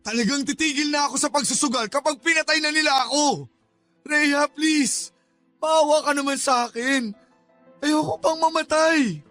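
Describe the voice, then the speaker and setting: A man's voice: very high voice, moderate pace, sharp tone. A man playing a desperate gambler boyfriend in a radio drama, pleading and whining hesitantly. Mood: desperate begging. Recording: dramatic music bed behind the voice.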